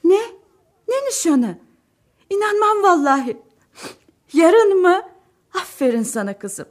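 A fretful middle-aged mother, lively voice. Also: mid-range voice, moderate pace. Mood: worried. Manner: emotional, chatty, alternating sighs and outbursts. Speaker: radio drama character. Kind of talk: radio drama acting.

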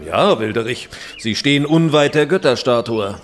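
Casting: male actor as knowing medieval merchant, formal old-fashioned speech, mid-pitched, highly expressive, faint ambience. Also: moderate pace, slight background noise, natural voice. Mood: informative. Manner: formal, archaic, descriptive. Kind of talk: historical audio drama dialogue.

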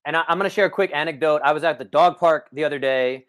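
A man's voice: a little high, fast talker, fairly bright tone. A man, a personal trainer, chatting energetically on an online call, with many restarts. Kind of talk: casual podcast chat.

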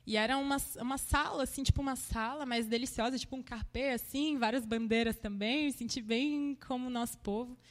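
A woman's voice: a little high, fairly even intonation, brisk, hardly any pauses, in a large hall. A woman sharing a personal faith testimony in a conversational, emotional way, often tagging her sentences with little questions. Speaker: church member giving a testimony.

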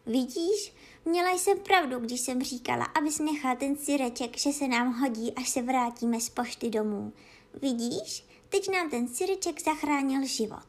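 A woman voicing a small, anxious female kitten in a children's storybook, talking in a high, pleading, fretful way. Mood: scolding.

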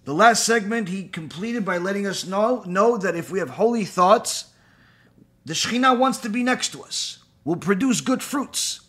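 Husky, lively man lecturing. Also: sits high, moderate pace. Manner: animated, rhetorical questions, frequent "you know" fillers. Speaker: Torah teacher. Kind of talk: recorded lecture.

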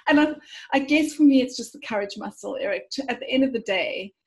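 Woman opening up to her coach, fairly high voice, lots of ums and likes. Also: animated, a little fast. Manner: open, thinks aloud, hesitant fillers. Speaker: coaching client. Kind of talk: reflective conversation.

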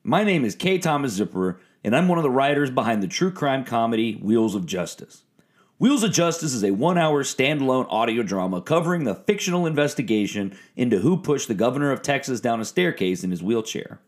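A man's voice: mid-range voice, big pitch swings, a little fast. A man giving a scripted introduction to an audio drama as one of its writers. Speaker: comedy writer presenting his show.

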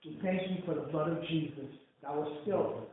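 A man with a Nigerian accent, a pastor leading a prayer and then reading scripture fervently, booming out the words of God. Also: a little fast, slight background noise. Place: large church hall. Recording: echoey hall, far from mic, phone-like band.

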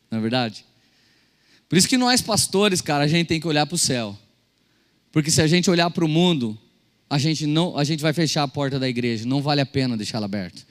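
A young adult Brazilian man preaching a sermon as a pastor, telling stories and acting out quotes, shifting between loud and soft. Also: high-pitched. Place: church service hall. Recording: church hall reverb.

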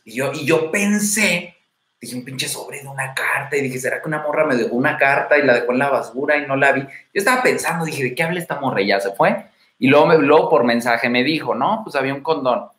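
A man's voice: mid-range voice, a little fast, a bit bright, roomy sound. A man in his thirties with a Mexican Spanish accent, giving dating advice in slangy, casual livestream talk and telling stories to his viewers. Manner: slangy, storytelling, addresses viewer as buddy.

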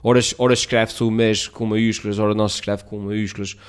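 A man's voice: lowish voice, level tone, quick pace, clean tone. A man with a European Portuguese accent, ranting to his viewers in a casual, rambling and sarcastic way, often restarting his sentences. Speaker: vlogger. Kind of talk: casual talk to camera.

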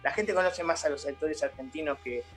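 Hesitant Uruguayan man, slightly high voice. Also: a little fast, a bit bright, soft background music, poor audio. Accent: Uruguayan Spanish. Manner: hesitant, many fillers and restarts. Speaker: theatre company founder, guest. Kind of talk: casual interview chat.

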